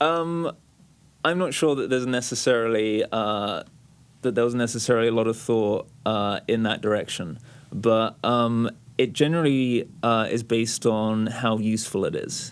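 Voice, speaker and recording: On a very clean recording with a silent background, a man with an English accent talks at a moderate pace with medium pitch and ordinary pitch variation. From England. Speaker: software company founder and video editor. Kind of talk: interview. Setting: studio. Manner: hesitant, many fillers.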